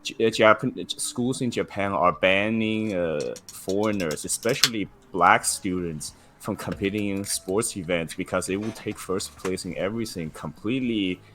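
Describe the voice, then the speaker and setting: Low-voiced man talking haltingly. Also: fairly bright tone, slight background noise. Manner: halting, many fillers and restarts. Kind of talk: casual chat.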